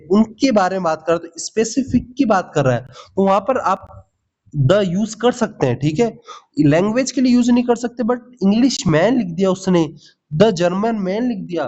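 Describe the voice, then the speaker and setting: A man teaching English grammar in for exam prep, lively, often asking "ठीक है?" and calling his students "भाई". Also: high-pitched. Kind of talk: Hindi grammar lesson with English examples. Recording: slightly dull lo-fi audio.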